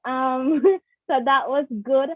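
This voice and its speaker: A high-voiced woman gives grateful, hesitant feedback. Her audio is thin and phone-like, with a dry sound and no room. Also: slow pace, no room sound. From Jamaica. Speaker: hackathon participant. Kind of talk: casual spoken feedback. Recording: tinny phone-like call audio.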